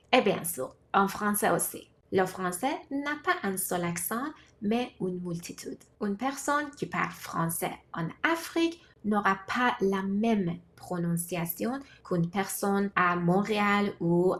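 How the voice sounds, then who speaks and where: A woman who learned French as a second language, giving a scripted, measured talk as a language-learning vlogger. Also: medium pitch. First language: not French. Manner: measured, deliberate delivery in short listed phrases. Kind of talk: scripted explanatory monologue.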